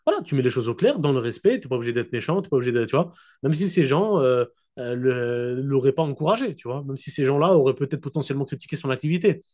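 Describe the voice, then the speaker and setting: A man coaching his network marketing team in a casual, direct motivational talk. He keeps checking that listeners follow him and slows down to dictate key points, speaking into a computer mic on a video call. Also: medium pitch, animated, darkish tone.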